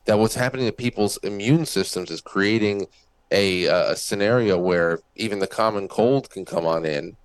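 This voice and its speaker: Casting: male co-host, slightly deep, dry close sound, halting conversational delivery. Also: clean tone, no room sound, low-quality recording. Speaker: talk show co-host. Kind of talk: casual live chat.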